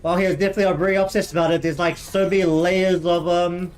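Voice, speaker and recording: A man's voice: high voice, level tone, fast, soft background music. A man giving casual let's-play commentary, chatty and joking, swearing now and then. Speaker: gaming video host.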